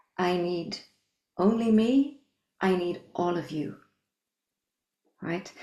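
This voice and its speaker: Speaking at a very slow pace with long, frequent pauses, a woman uses a fairly low voice with a dark, mellow tone and ordinary pitch variation. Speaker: conscious dance teacher. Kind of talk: panel discussion. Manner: halting.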